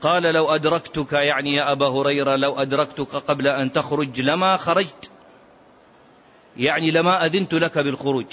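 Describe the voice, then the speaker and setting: A man's voice: fairly high pitch, steady tone, brisk, fairly bright tone. A man giving a religious lesson in a mosque, emphatic, asking rhetorical questions and chanting some phrases. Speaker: religious teacher. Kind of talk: mosque lesson explaining hadith. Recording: muffled lo-fi recording.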